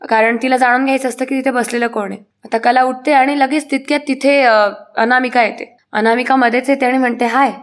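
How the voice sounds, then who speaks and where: A woman narrating a TV serial episode as a story, steady and with frequent hesitation sounds. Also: high-pitched, brisk, few pauses.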